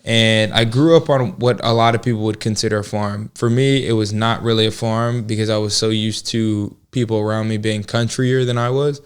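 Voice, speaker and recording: A man's voice: on the low side, steady tone, normal speed, few pauses, clear, resonant tone. A man in his twenties with an American accent, chatting casually as a podcast co-host in a joking, talkative way. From Georgia, United States. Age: 20s. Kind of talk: casual relationship podcast chat.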